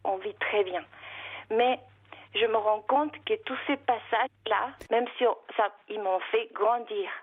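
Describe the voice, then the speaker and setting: A middle-aged woman, not a native French speaker, calling in to a radio show and talking haltingly, repeating words and searching for them. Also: on the high side, husky. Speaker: caller. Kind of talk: emotional call-in confession. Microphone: telephone. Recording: phone line.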